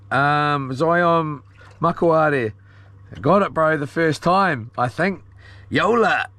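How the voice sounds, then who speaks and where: A man's voice: fairly high pitch, fairly bright tone, dry recording. A man with a broad New Zealand accent, chatting casually on a live stream in a slangy, matey, rambling way. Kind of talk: casual live-stream chat, reading out and answering viewer comments.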